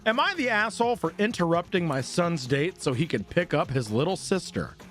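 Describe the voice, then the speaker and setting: A man's voice: on the high side, expressive, fairly quick, a bit bright, faint music behind. A man streaming, reading forum posts aloud and breaking off to react, swear and laugh.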